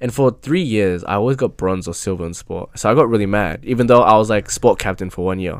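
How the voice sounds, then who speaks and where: Pitch variation in this man's speech is ordinary. He talks at a fairly quick pace. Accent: Australian. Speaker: university student and former footballer. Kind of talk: casual chat.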